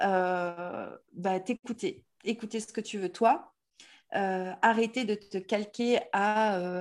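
A woman talks at a fairly high pitch, her pitch showing ordinary variation, on a very clean recording with a silent background. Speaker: life coach. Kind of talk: casual interview. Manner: animated.

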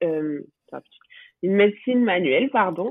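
Speaking at a moderate pace, a woman has a medium pitch and an unremarkable speaking voice. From Guadeloupe. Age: 20s. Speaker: osteopath and long jump athlete. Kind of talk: podcast interview.

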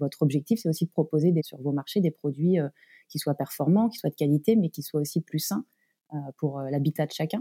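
At a fairly quick pace, a woman with a very deep, low pitch speaks in a dark, mellow, somewhat breathy tone with ordinary pitch variation on a very clean recording with a silent background. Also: dry, close sound with no echo. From Brittany, France. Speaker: podcast host and corporate communications manager. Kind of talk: interview.

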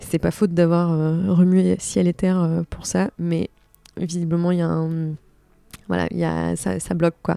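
A woman speaks at a very slow pace, in a dry, close sound with no echo. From western France, Les Sables-d'Olonne. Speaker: artist and photographer. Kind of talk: interview. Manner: hesitant, many fillers.

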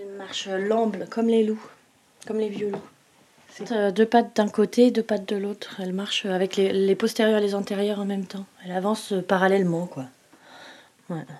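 A woman speaks at a medium pitch and a moderate pace, her intonation flat and monotone, with long, frequent pauses. Her loudness swings widely, and there is noticeable background noise. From France, Corrèze. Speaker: horse keeper and animal communicator. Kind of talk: casual chat. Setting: at home.

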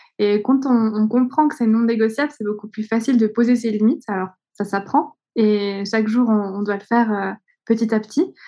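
At a moderate pace, a woman talks with a fairly high pitch, ordinary pitch variation and a dark, mellow tone. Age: 30s. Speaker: human design coach. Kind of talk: casual chat. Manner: hesitant, many fillers.

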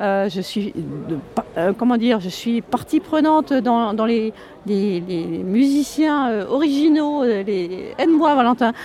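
The delivery is very slow, with lively intonation. Noticeable background noise can be heard. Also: woman, fairly high pitch for a woman. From Doubs, eastern France. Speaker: music teacher. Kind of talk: interview. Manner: halting.

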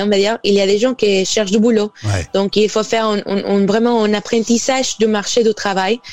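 A woman speaks at a moderate pace in a fairly high pitch. Her intonation is monotone and flat, with noticeable background noise behind her. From Mexico. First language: Spanish (speaking French). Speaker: personal development coach. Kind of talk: interview. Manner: halting.

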